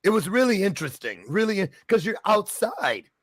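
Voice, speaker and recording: Man, interview host, animated pitch, chatty and joking, dry sound. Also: brisk, no room sound. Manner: chatty, joking, loses his train of thought. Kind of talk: casual interview.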